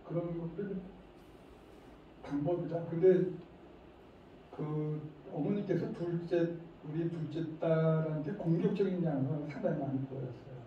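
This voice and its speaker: A middle-aged man lectures a room of parents with animated energy and acts out scolding lines. His voice sits a little high and soft-toned, caught from far off in a reverberant hall. The sound is dull, with a faint hiss behind it. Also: unhurried. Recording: echoey hall, distant mic, dull faint noise.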